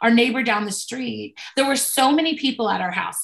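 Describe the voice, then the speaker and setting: Fairly quick speech from a woman, pitched fairly high, her pitch varying in an ordinary way. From Oklahoma. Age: 40s. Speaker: educational consultant. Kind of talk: personal testimony interview.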